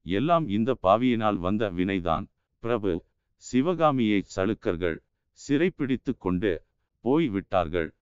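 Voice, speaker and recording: A wailing, grief-stricken old sculptor father , as a male narrator puts him on, lamenting in a low, very clear voice. The audiobook recording sounds dull and lo-fi with a dry, close sound. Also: big pitch swings, unhurried, no room sound. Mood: anguished.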